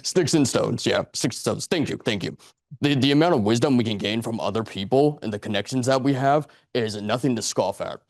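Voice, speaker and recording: A man's voice: mid-range voice, brisk, no echo, studio quality. A man in his late twenties giving a motivational speech to a live audience, earnest and rambling, leaning on repetition and rhetorical questions. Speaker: public speaker at a speakers club. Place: meeting room before an audience.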